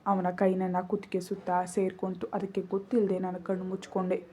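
A woman's voice: lowish voice, completely flat delivery, fairly quick, dark tone. Woman narrating an emotional romance story.

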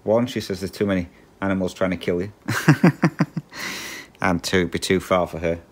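A middle-aged Englishman whose speech carries a faint Australian twang talks in a very low voice. He rambles casually while stitching, restarting sentences, filling pauses with ums and chuckling often. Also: fairly even intonation. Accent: English with a slight Australian twang. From England. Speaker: cross-stitch vlogger.

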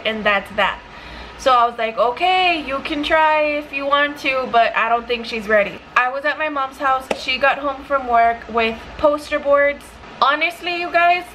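A young mom vlogger chats casually to the camera in her living room, saying "like" a lot and quoting her toddler. Her voice is high and sharp. The camera mic in front of her gives poor audio with a slight hiss or hum.

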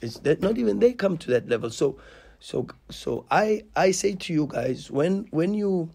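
A man's voice: sits high, expressive, moderate pace, vocal fry, darkish tone. A South African man in his thirties, a football coach speaking passionately at a post-match press conference, repeating and restarting words for emphasis, at a table mic in a small press room. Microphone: table mic on stand.

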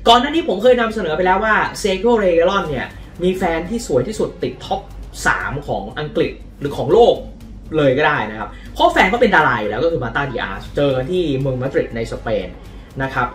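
A man hosting a casual football news vlog, chatty and lively in his storytelling. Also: fairly high pitch, quick pace, echoey room, distant mic. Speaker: football channel host.

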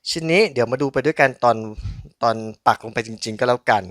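A man hosts a toy unboxing in a medium-pitched voice. He talks casually and chattily, keeping his phrasing polite and informal. The sound is close and dry, with little room echo. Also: quick pace, a bit bright. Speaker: toy unboxing channel host.

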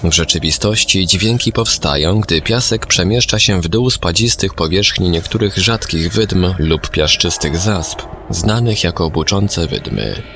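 A man narrating a scripted documentary audiobook in speech, with a measured, formal delivery. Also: low voice, expressive, fairly bright tone, soft background music.

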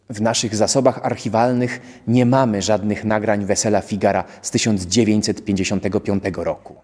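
Young guy doing a scripted intro to camera, kinda husky voice, big echoey reverb. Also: mid-range voice, a little mellow. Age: young adult. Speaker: presenter. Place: indoors in a theatre, before a press wall. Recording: long hall-like reverb.

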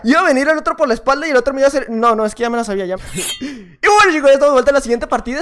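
Excitable Mexican gamer repeating himself. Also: male voice, extremely high pitch, slight background noise. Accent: Mexican Spanish. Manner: excitable, repeats short phrases over and over, talks to himself. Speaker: gaming youtuber. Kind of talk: live gameplay commentary.

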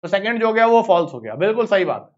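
A man with an Indian accent teaching biology in a live online exam-prep lecture, brisk and coaxing, repeating phrases to hurry his students along. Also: sits high, sing-song. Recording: slightly dull lo-fi audio.

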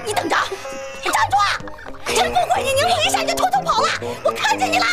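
A shrieking, cruel stepmother, her voice piercingly high and leaping wildly up and down as she scolds and threatens. It is costume TV drama acting, with music playing loudly behind her. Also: huge pitch swings, slow pace, exaggerated voice. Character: shrill cruel stepmother scolding a small child.

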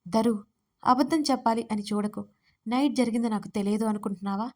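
A woman's voice: a little high, fairly quick, lightly acted. A woman voicing an earnest young man who pleads with the woman he loves in an audio story. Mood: pleading.

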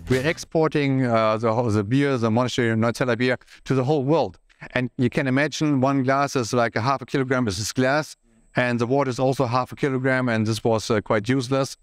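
A middle-aged man with a German accent answering interview questions in English, halting and searching for words, recorded on a lapel mic in a brewery. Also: mid-range voice, fairly even intonation, no echo, studio quality. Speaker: brewery manager. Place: brewery hall indoors.

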